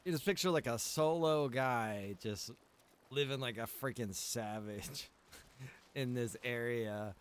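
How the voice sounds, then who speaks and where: A man's voice: medium pitch, slow. A laid-back man chatting to viewers in rambling, slangy game livestream commentary. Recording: clearly noisy, background ambience.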